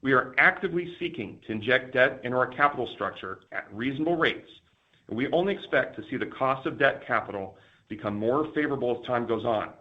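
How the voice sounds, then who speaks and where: A man giving a scripted, formal and measured financial presentation as a company executive on an earnings call. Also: medium pitch, expressive. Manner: formal, measured corporate delivery. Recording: dull, lo-fi conference call audio.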